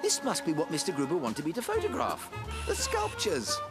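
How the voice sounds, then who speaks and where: An actor voicing a polite, earnest young bear in a cartoon. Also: male voice, on the high side, wildly swooping pitch, moderate pace. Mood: puzzled, polite. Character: polite, earnest young male bear from Peru, well-meaning. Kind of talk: animated cartoon character acting. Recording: loud music under the voice. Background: music.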